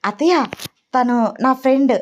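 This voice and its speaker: A woman's voice: high voice, normal speed, slight background noise, voice pushed up, lightly acted. Woman voicing a nervous young niece.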